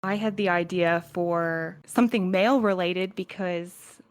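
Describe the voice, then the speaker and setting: A woman speaks in a moderately low voice. She co-hosts a podcast in a relaxed, casual chat style. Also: measured pace. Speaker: podcast co-host.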